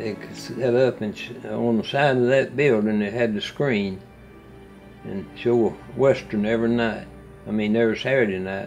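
Fairly even intonation with a Southern US accent, long, frequent pauses and faint music in the background. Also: man. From Mississippi, US South. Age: 80s+. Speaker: elderly storyteller. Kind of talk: interview answer, oral history. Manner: pleasant, unhurried. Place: home room.

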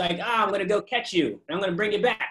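A man with an American accent speaks at a high pitch and a fairly quick pace. His intonation stays fairly even. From US South. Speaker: journalist and philosopher. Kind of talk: casual interview. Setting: video call. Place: home room. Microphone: video call.

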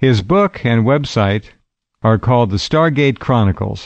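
Over a quiet background, a man with medium pitch uses lively intonation in an ordinary speaking voice. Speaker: radio talk show host. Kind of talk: radio interview.

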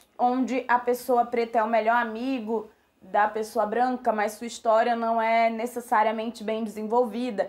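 Speaking at a moderate pace, a woman delivers her words in a monotone, flat intonation. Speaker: YouTuber and film critic; YouTuber. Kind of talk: video essay to camera. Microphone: webcam.

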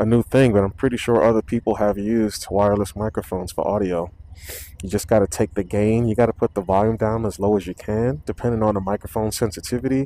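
Over light background noise, the voice races at a very fast pace with fairly even intonation and a dry sound with no echo. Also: man. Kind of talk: casual vlog chat. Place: motorbike. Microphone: helmet.

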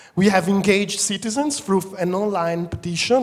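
A man in an Italian accent, at a moderate pace. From Italy. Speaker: anti-corruption campaigner; conference presenter. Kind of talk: conference presentation. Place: hall.

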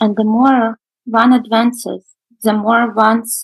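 A woman speaks at a very slow pace. Her pitch is fairly high, and the background is quiet. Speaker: interpreter. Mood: calm devotional. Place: home room. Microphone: video call.

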